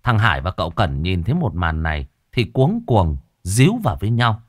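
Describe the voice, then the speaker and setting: Brief: male storyteller, mid pitch, very lively intonation, dry close sound. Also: brisk, no echo. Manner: expressive, animated. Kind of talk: scripted story narration.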